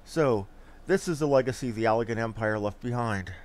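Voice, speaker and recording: A man's voice: medium pitch, fairly quick, a little mellow, pitched below the performer's own voice, lightly acted. A man voicing an ambitious, self-important villain in a fantasy game, with grandiose, archaic phrasing. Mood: smug. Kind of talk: fantasy game dialogue read aloud.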